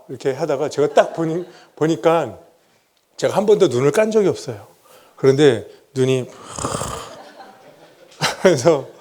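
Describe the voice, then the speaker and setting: A man's voice: medium pitch, warm tone. A middle-aged man, a pastor, preaching a sermon and telling his own story, asking the congregation rhetorical questions and acting out what he said back then. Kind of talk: sermon with personal testimony.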